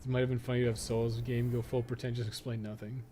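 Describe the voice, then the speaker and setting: A man's voice: medium pitch, little pitch movement, quick pace, warm tone, a little hiss or hum. A man giving casual, rambling, sweary gameplay commentary as a streamer. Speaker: game streamer and podcast co-host.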